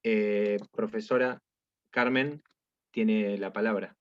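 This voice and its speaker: A man's voice: on the low side, fairly even intonation, takes it slowly, no room sound. A man moderating an academic online panel, introducing speakers in a wordy way full of fillers and restarts. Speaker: event moderator. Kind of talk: formal introductions. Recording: dull, dry video-call audio.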